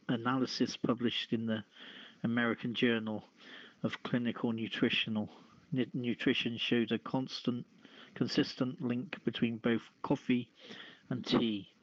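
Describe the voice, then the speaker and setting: A man's voice: medium pitch, no echo, lo-fi sound. A man hosting a podcast, reading news aloud and adding casual remarks, stumbling over the odd word. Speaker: podcast host.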